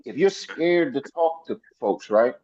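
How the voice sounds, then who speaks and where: Male coach host, energetic hype-man delivery, dull lo-fi call audio. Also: mid-range voice, measured pace. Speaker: sales coach and meeting host. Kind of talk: hosting a group video call.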